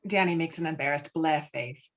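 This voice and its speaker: A woman reads screenplay directions as the narrator of a table read. Her voice is on the low side. The audio is a little dull and lo-fi, as if over a video call. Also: moderate pace. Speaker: narrator reading stage directions.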